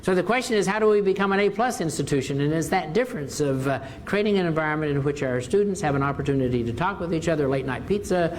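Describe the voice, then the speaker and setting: An older man addresses an audience in an auditorium, his voice sitting a little high. He leans on words and repeats phrases for emphasis, with a faint hiss of noise behind him. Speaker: university president. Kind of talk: formal speech, then answering audience questions.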